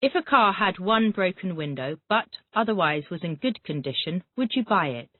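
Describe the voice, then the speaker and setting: An English teacher leads a Callan method drill, reading out vocabulary and then firing off quick, repetitive questions. Her mid-range voice has a sing-song lilt, and the dry recording sounds tinny, like a phone.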